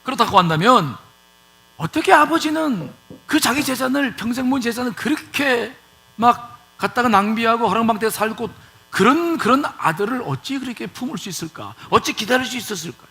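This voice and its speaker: Male pastor, sermon, high pitch, bright tone, animated delivery, rhetorical questions, church. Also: brisk, vocal fry. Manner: rhetorical questions, emphatic repetition. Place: church sanctuary.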